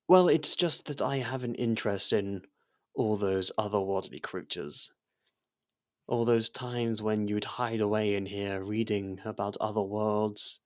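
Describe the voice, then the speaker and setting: A man's voice: on the low side, no room sound, studio quality. A man playing a devoted, worried royal servant in an intimate fantasy roleplay, speaking formally and earnestly with careful deference. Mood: earnest, determined.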